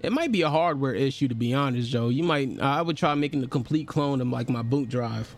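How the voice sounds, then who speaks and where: A man's voice: mid-range voice, a little fast, faint music behind. A man with an African American English accent hosting a live podcast in casual group chat. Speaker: podcast host.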